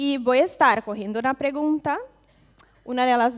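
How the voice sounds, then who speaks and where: This woman has a Brazilian accent and a fairly high pitch. She keeps a moderate pace. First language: Portuguese (speaking Spanish). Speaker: event moderator. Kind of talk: panel discussion moderation. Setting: public event with live audience.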